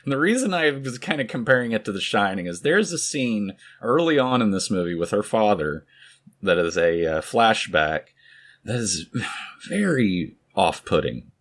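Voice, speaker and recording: A low-pitched man with a lively, swooping delivery co-hosts a casual movie podcast. He jokes constantly, laughs a lot and wanders into rambling asides. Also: normal speed. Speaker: podcast co-host. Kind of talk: casual film-review chat.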